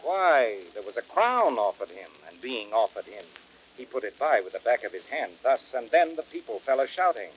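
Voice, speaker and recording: An actor playing a sour, blunt, scornful Roman cynic with dry, sardonic classical stage delivery. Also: male voice, mid-range voice, very animated, moderate pace, dull audio, natural voice. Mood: brusque. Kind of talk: classical Shakespearean radio drama acting. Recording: noisy vintage spoken-word drama record.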